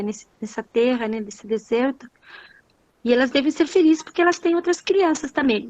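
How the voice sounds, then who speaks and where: Older Chilean woman, reflective, high voice. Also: dry recording, dull audio. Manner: reflective, says "né" constantly. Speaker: audience participant. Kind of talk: casual chat. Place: home.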